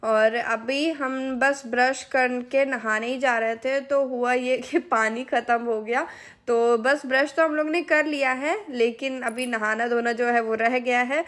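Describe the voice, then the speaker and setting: Woman vlogger, 30s, Hindi accent, high voice, chatty step-by-step phone narration. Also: steady tone, a little slow, fairly bright tone. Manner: chatty, explains step by step to viewers. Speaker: family vlogger. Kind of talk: casual vlog narration.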